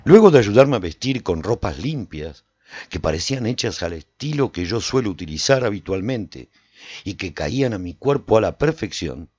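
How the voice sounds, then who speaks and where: An animated, proud lone-warrior narrator. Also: male voice, medium pitch, dry recording, highs cut off. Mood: amused storytelling. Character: lone warrior man recounting his post-apocalyptic adventures, proud and vivid. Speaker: narrator and lead actor of a radio serial. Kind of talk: dramatic first-person radio storytelling.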